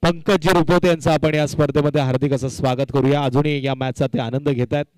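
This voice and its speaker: A man's voice: on the high side, steady tone, quick pace, darkish tone, clear, resonant tone, dry recording. A man giving live commentary and announcements at a local cricket tournament, emphatic and fond of repeating phrases for effect.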